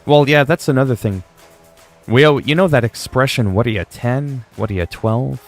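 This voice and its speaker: A man's voice: mid-range voice, normal speed, soft background music. A man in his forties chatting casually on a livestream, reading viewers' messages aloud and answering them in a rambling way. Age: 40s.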